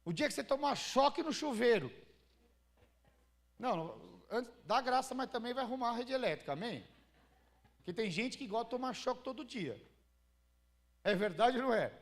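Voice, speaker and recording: Man, Brazilian accent, pastor, high-pitched voice, conversational sermon, rhetorical questions. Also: expressive, normal speed, long pauses. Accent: Brazilian Portuguese. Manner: conversational preaching with acted-out anecdotes and rhetorical questions. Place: church.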